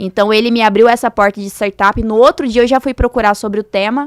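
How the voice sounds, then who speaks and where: A woman with a slight Goiás accent talks at a fairly high pitch with fairly even intonation. The sound is dry and close, without echo. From Brazil, Goiás / Mato Grosso interior. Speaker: AI specialist and entrepreneur. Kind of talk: podcast interview.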